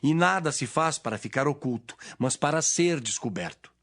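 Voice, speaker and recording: A man playing Jesus as a solemn, authoritative teacher in a dramatized audio Bible, with measured, declamatory delivery. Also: on the high side, expressive, a bit bright. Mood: solemn teaching. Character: Jesus, authoritative male teacher speaking in parables. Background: music.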